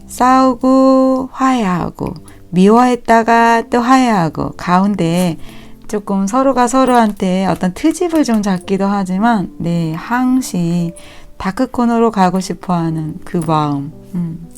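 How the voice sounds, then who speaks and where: A woman giving a tarot reading to viewers in a gentle, reassuring way, sometimes acting out what the people in the cards might say. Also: medium pitch, lively intonation, takes it slowly, faint music behind. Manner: gentle, reassuring, acts out quoted lines. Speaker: tarot reader.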